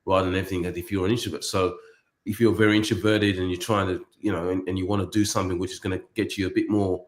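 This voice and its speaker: A man's voice: low voice, flat delivery, very fast. A man hosting a casual chat, rambling with many restarts and repeated words. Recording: roomy echo.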